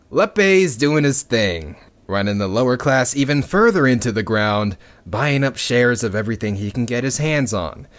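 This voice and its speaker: A man playing a bitter, sardonic rebel in an audio drama, addressing listeners with dramatic pauses and pointed, sweary emphasis. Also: medium pitch. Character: bitter, sardonic male rebel recounting a dystopian future.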